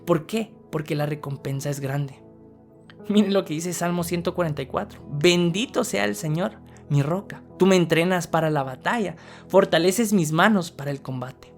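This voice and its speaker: A woman's voice: fairly low pitch, moderate pace, faint music behind. A woman with a Guatemalan Spanish accent gives a motivational sermon, speaking earnestly and directly to the listener with rhetorical questions. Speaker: preacher.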